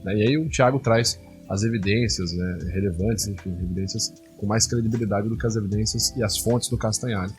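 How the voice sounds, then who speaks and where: Fast-talking man commenting. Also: lowish voice, music in the background. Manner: animated, indignant, slangy, many "né" fillers. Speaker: host analyzing rhetoric. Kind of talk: casual commentary.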